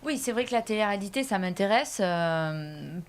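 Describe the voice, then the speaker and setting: A woman's voice: mid-range voice, animated, normal speed. A woman from southern France speaks as a viewer guest on a talk show. Her voice is mid-range, and she answers informally and a little hesitantly. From Marseille, France. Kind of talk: unscripted chat answer.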